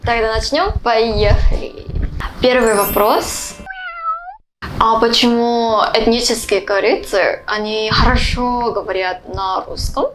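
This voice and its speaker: A woman's voice: a little high, fairly even intonation, slow pace, a bit bright, soft background music, rough recording. A woman in her twenties with a Korean accent, a native Korean speaker, hosting a casual vlog interview. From South Korea. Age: 20s. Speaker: host.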